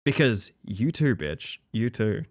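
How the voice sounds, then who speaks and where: A man's voice: on the low side, big pitch swings, slow. A man with an Australian accent, chatting casually with his live-stream audience while gaming, reading chat aloud and swearing now and then.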